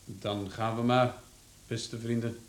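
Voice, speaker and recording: An actor playing a demanding, pompous gentleman lodger in a radio play, speaking formally. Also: mid-range voice, little pitch movement, takes it slowly, lightly acted. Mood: affronted. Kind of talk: Dutch radio play acting. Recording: echoey room, background noise.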